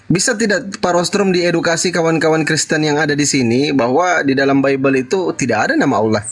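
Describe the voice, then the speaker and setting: A man's voice: a little high, fairly quick, slightly rough. A man moderating an online religious debate, greeting speakers politely and handing over the floor. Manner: polite, greets guests by name.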